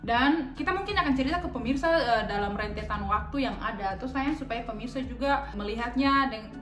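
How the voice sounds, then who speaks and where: A woman from Maluku co-hosting a casual vlog at home, talking lively to viewers and laughing often. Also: on the high side, a little fast, soft background music. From Maluku, Indonesia. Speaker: vlog co-host. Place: home room. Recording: echoey room.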